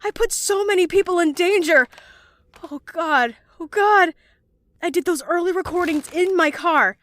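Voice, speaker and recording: A young woman playing an anxious, well-meaning student in an audio drama, earnest and given to halting, stammering speech. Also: very high-pitched, fairly bright tone. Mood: panicked, self-blaming. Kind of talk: audio drama acting, emotional monologue and dialogue.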